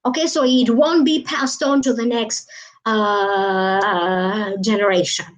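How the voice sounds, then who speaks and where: A woman's voice: medium pitch, fairly even intonation, slow. A woman from Albania, talking casually on a live stream as a psychic reader, rambling with many fillers and trailing phrases. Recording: dull lo-fi live stream audio.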